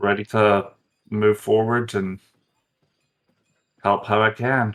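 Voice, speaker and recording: Putting on a gruff character voice, a man talks at a fairly slow pace with a fairly low pitch and monotone, flat intonation. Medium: actual play. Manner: terse, somber.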